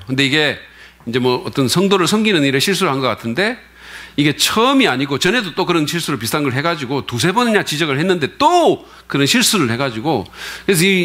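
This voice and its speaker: Lively male pastor preaching. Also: mid-range voice. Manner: lively, conversational, asks the congregation questions. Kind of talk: sermon.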